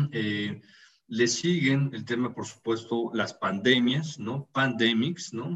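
Very slowly, a man talks at a medium pitch, his pitch variation ordinary. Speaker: professor and security analyst. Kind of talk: interview. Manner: halting.

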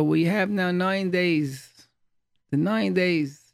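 There's an American accent in this man's high voice. His pitch variation is ordinary. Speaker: rabbi giving religious talks. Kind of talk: religious talk / sermon.

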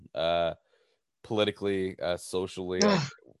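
A man speaks with an American accent, fairly low in pitch with ordinary pitch variation. The sound is dry and close with no echo, against a quiet background. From California. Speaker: podcast host. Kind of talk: casual interview.

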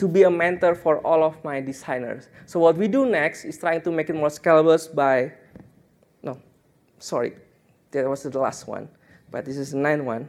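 Speaking with an Indonesian accent, a man talks at a moderate pace and a high pitch. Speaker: design team leader. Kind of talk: conference talk. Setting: stage with audience.

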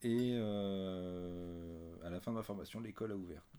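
Fairly even in intonation, the man's voice is very deep and low. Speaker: camera operator. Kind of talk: casual chat.

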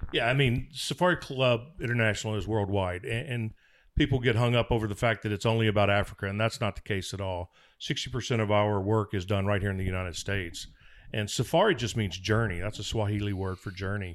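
Talking at a very fast pace, a man with a Southern US accent has a fairly low pitch and ordinary pitch variation. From US South, Mississippi. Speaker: hunting organization executive. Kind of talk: casual chat.

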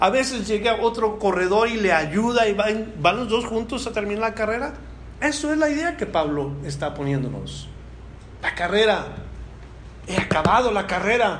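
A man speaks with lively intonation in a high pitch. Audible room echo and noticeable background noise accompany him. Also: moderate pace. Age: 50s. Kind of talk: sermon.

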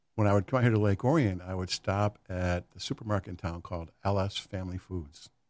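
With an Upper Midwest accent, a man speaks at a moderate pace in a very deep, low voice with ordinary pitch variation and big swings in loudness, captured as a dry, close sound with no echo in a very clean recording with a silent background. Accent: Upper Midwest American. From Michigan, Grand Rapids. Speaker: village council president. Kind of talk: interview.

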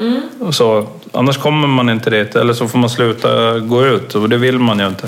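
Over noticeable background noise and audible room echo, a man speaks at a moderate pace with a medium pitch and fairly even intonation. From Sweden, Gotland. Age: 50s. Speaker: weight-loss client. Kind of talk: casual chat.

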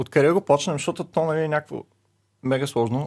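A man speaks in a very clean recording with a silent background, the sound dry and close with no echo. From Bulgaria, Burgas. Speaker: podcast guest. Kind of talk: casual chat.

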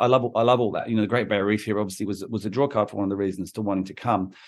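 Male speaker with an Australian accent. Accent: Australian-sounding English. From London, England. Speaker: recruitment company founder. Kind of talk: interview.

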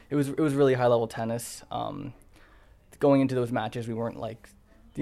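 This man talks at a very fast pace in a flat monotone, his medium-pitched voice dark and mellow in tone. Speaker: college tennis player. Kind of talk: interview. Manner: halting.

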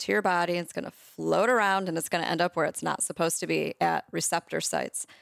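A woman speaks with an American accent. The recording is very clean with a silent background, dry and close with no echo. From New York. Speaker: podcast host, health specialist. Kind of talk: casual interview.

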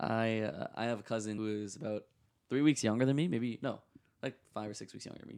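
In a Canadian accent, a man talks at a very fast pace with medium pitch, ordinary pitch variation, and big swings in loudness. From Canada, Toronto (Scarborough). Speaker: photographer and designer. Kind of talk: casual chat.

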